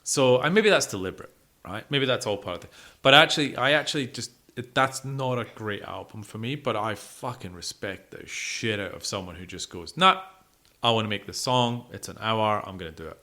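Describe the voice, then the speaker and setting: On a music podcast, a male co-host with a lowish, sharp voice talks fairly quickly. His opinionated discussion is casual and emphatic, packed with swearing, and he repeats himself for stress.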